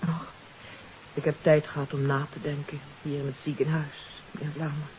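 An actress playing a troubled countess in a 1950s radio mystery, confessing earnestly and hesitantly. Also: female voice, deep voice, little pitch movement, fairly quick, natural voice. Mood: regretful, reflective. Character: troubled countess confessing her part in a kidnapping. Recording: hissy, dull 1950s radio recording.

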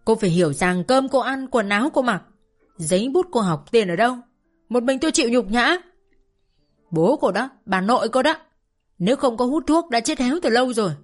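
A woman's voice: on the high side, expressive, brisk, soft background music, voice pushed up. A woman voicing a bitter middle-aged mother who runs a brothel, scolding her daughter in a tearful, indignant voice. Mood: furious.

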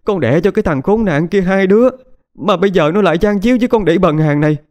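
A man's voice: animated, fast, darkish tone. A man voicing a furious, hysterical wealthy wife who screams and wails in a storybook reading. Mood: hysterical fury. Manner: shrill, screaming and wailing.

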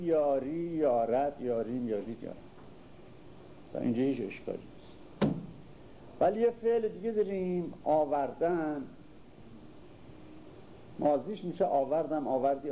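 A man's voice: a little high, lo-fi sound. An older man teaching a class, reciting verses and then explaining them in casual speech, quizzing his listeners as he goes. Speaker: literature teacher. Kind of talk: lecture on classical poetry. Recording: faint background noise.

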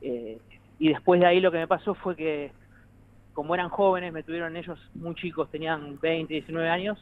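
A man's voice: fairly high pitch, a little fast, phone-quality sound. Joking argentine man on the line. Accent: Argentine Spanish. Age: 30s. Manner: rambling, joking, laughs often. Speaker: musician guest. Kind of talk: casual interview chat.

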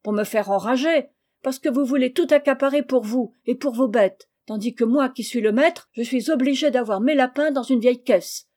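A woman reading as a hot-tempered, earnest young gentleman with formal, emphatic speech in a storybook. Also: medium pitch, fairly even intonation, moderate pace, close to an everyday voice. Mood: angry, accusing. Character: proud, hot-tempered but repentant young gentleman farmer.

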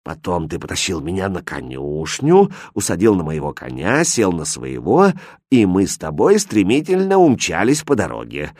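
A proud young king, imperious and quick to anger, in a lowish voice that swings between hushed and lively, as a man reading a storybook puts him on. The recording is close and dry. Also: no room sound, heavily acted. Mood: recalling.

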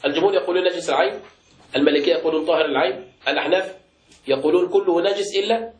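شيخ سريع الكلام بلهجة مصرية في قاعة درس. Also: male voice, a little high, racing, reverberant. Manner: explains by asking the class and answering himself. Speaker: sheikh teaching a book class. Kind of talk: classroom lecture with questions.

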